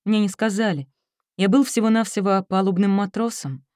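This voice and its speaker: A woman reading a quiet, guarded teenage boy. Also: mid-range voice, fairly even intonation, normal speed, no echo, studio quality, lightly acted. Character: reserved, guarded Japanese youth of seventeen.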